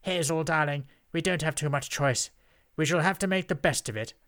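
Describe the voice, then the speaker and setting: A haughty storybook witch, played by a male narrator, speaks in a raised pitch. She is imperious and pompous, drawling out her words as if every one is a command. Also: moderate pace, fairly bright tone, close to an everyday voice. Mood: haughty, languid. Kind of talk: children's storybook character voice.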